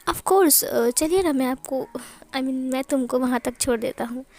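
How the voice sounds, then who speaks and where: A woman's voice: high voice, a little slow, a little mellow. A woman voicing a shy, flustered young male college student in an amateur fan-fiction reading, stammering as she goes.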